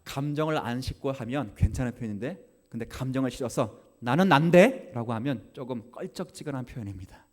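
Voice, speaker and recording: A male pastor preaching a sermon in church, acting out dialogue and swinging from soft asides to loud, emphatic passages. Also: mid-range voice, fast, hardly any pauses. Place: church sanctuary.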